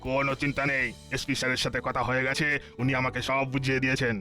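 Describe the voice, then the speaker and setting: A man's voice: mid-range voice, monotone, quick pace, bright, forceful tone, soft background music, lightly acted. A man voicing an earnest, easily flustered grown man in a cartoon. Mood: assured. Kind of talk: cartoon voice acting.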